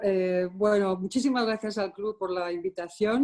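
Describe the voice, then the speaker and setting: A woman's medium-pitched voice with a Galician accent, at a moderate pace. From Galicia, A Coruña. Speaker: EU climate official, physicist. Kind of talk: presentation.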